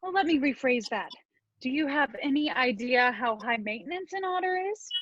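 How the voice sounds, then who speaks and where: A woman playing a blunt, exasperated mother with a deadpan, weary delivery in a sketch comedy reading. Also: sits high, normal speed, no room sound, highs cut off. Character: exasperated, blunt, dismissive mom of two. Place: remote virtual reading.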